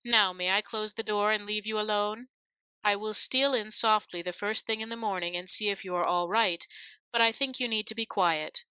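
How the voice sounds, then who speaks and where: A woman reading as a gentle, anxious mother. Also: medium pitch, steady tone, moderate pace, smooth, no echo, lightly acted, poor audio. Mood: tender, soothing. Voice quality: soft, gentle.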